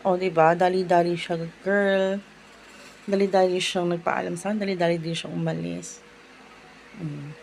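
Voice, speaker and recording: A woman's voice: fairly low pitch, level tone, moderate pace, creaky, pauses often, darkish tone, a little hiss or hum. A young woman vlogging from her bedroom, chatting casually and ranting in an exasperated way. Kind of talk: casual vlog chat. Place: home bedroom.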